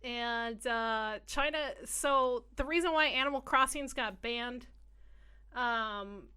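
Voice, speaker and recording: A young woman co-hosting a gaming podcast, chatting casually with a playful, profane, excitable manner. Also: fairly high pitch, slow pace, clean tone. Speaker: podcast co-host. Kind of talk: casual chat.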